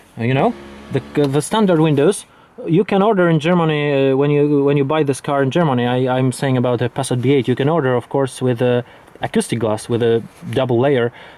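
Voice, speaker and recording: A man speaks fairly quickly with a Polish accent and a fairly high pitch. His loudness stays very even, and his pitch varies in an ordinary way. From Poland. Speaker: car reviewer. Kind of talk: product review. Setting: inside a car. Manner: halting.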